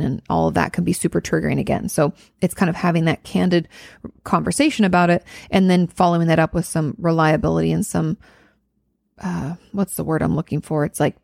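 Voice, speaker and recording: Woman, advice host, gravelly voice, dry close sound, gentle and reflective, lots of fillers. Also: low-pitched, dry recording. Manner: gentle, reflective, therapy vocabulary with many fillers. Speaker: host answering viewer questions on mental health. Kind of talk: casual advice chat.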